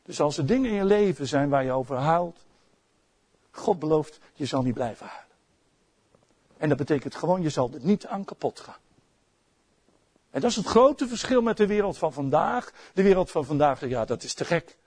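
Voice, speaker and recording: A middle-aged Dutch-accented man preaching with a lot of life. His voice sits high, and he moves from soft, quiet asides to loud, emphatic outbursts. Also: lively intonation, moderate pace, long pauses, husky. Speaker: pastor. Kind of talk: sermon.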